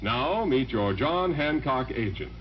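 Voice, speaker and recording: A man's voice: medium pitch, big pitch swings, unhurried, slight background noise. A man announcing a radio program in a formal, projected delivery, heard from an old broadcast transcription disc. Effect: old broadcast transcription disc sound. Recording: dull lo-fi old broadcast disc with loud music.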